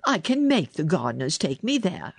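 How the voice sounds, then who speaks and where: A woman's voice: sits low, very animated, normal speed, creaky, slightly rough, dry recording, clean studio sound, full character voice. A woman voicing a sickly, spoiled ten-year-old boy, cross and demanding, in a storybook reading. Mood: eager, demanding. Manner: cross, demanding, self-pitying.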